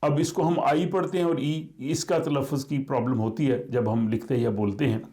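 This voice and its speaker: Middle-aged male teacher, warm and dark tone, measured delivery with hesitations. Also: medium pitch, steady tone. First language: Urdu. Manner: slow, measured, with frequent hesitations. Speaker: language teacher. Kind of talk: explanatory language lesson.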